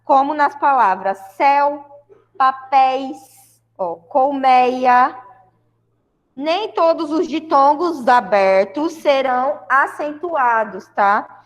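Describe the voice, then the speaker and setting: A woman's voice: high voice, lively intonation, slow pace, hardly any pauses, in a large hall. A Brazilian woman teaching a grammar lesson to a class, explaining step by step and often checking in with her students. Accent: Brazilian Portuguese. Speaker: school Portuguese teacher.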